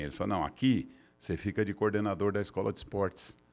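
This man's voice sits very deep and low. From São Paulo, Brazil. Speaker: basketball coach and technical director; basketball coach guest. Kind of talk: interview. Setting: studio. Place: studio.

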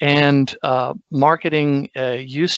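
Speaking at a very slow pace, a man with an American accent has a fairly high pitch and ordinary pitch variation, with a dry sound with no echo and a quiet background. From United States. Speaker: marketing podcast host. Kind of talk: interview. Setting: video call. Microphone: headset.

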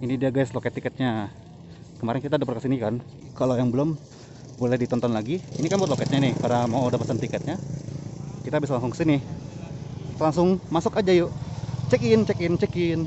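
A man at a very fast pace with ordinary pitch variation, a dry sound with no echo and noticeable background noise. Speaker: travel vlogger. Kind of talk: casual vlog chat. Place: street. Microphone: phone near.

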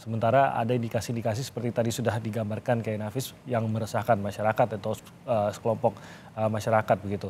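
A somewhat breathy voice speaks very fast in a flat monotone. Light background noise is present. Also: man, medium pitch for a man. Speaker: TV news anchor. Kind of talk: TV news interview. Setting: studio. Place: studio. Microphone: lapel.

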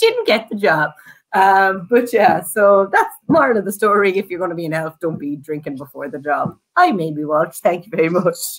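With an Irish accent, a woman speaks at a moderate pace, her loudness swinging widely and her pitch varying in an ordinary way against a quiet background. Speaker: comedian. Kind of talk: casual banter and short stand-up set. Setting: video call. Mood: playful, a bit sheepish. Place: home room.

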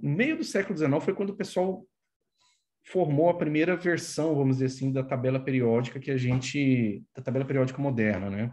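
Over a quiet background, a dark, mellow voice moves at a fairly quick pace. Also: man. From Goiás, Brazil. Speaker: physics professor and researcher; physics professor. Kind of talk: lecture. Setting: video call. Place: home room. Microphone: headset.

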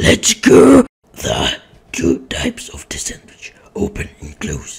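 The voice is raspy and moves at a fairly slow pace. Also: man. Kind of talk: comic tutorial. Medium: machinima. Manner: earnest, blunt, comically emphatic.

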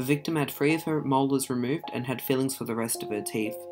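Music plays behind a man talking at a fairly quick pace. His pitch varies in an ordinary way. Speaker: video narrator. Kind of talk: true-crime narration.

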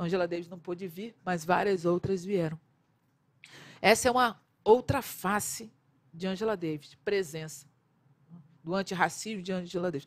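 A woman with a Brazilian accent, medium pitch and ordinary pitch variation, at a moderate pace, with long, frequent pauses and big swings in loudness. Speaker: activist; guest. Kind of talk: panel talk. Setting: stage with audience. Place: classroom. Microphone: handheld.

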